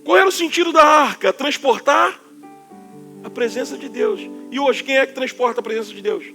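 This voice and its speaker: A man from Rio de Janeiro with a Carioca accent, preaching a sermon to his church in a forceful, emphatic way that can sound like scolding. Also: very high voice, animated, brisk, gravelly, soft background music. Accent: Carioca Portuguese. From Rio de Janeiro, Brazil. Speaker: pastor.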